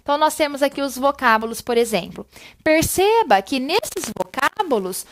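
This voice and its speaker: High-voiced woman teaching spelling. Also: animated. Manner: explanatory, frequent "né?" and "tá?" checks, slows on examples. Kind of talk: recorded online lesson.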